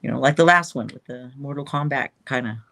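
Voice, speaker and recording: Talkative female guest, loose and rambling, voice with a gravelly fry. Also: extremely low pitch, brisk, a bit bright. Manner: chatty, rambling, laughs often, trails off. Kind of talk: casual interview.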